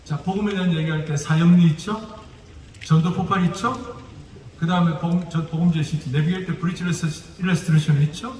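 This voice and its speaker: A fast-talking male pastor with a slightly high, slightly mellow voice keeps a steady tone through a lecture-style sermon in Gyeongsang dialect. Jokes and rhetorical questions to the audience run throughout. The recording is noisy, made from a distance in an echoey hall.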